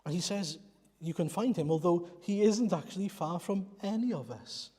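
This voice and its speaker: Welsh-speaking preacher in a reverberant church. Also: male voice, high voice, moderate pace, mellow, slightly rough. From Wales. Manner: earnest, explanatory, asks the congregation rhetorical questions. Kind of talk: sermon.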